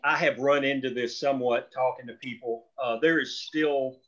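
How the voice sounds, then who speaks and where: A man's voice: mid-range voice, steady tone, moderate pace, fairly bright tone. A man talking casually and emphatically on a group call, rambling through his opinions and sometimes swearing. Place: group video or phone call. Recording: dull, lo-fi call audio.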